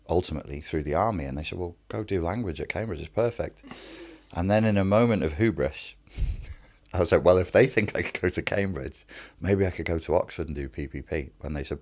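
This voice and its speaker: A man with a Wirral Scouse accent, an interview guest telling his life story fluently and briskly. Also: sits low, a little mellow. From Wirral, England.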